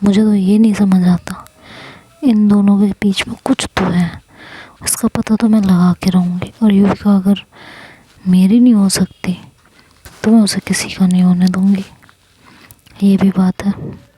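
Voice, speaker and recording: A woman's voice: mid-range voice, steady tone, a little slow, pauses often, warm tone, husky, no room sound, poor audio. A woman voicing a jealous young woman who plots against her rival. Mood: jealous scheming. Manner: resentful, brooding.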